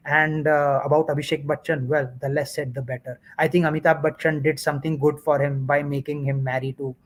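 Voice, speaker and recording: A man's voice: a little high, level tone, brisk. A man, a guest in a casual discussion, constantly saying "like, you know". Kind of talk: casual commentary chat.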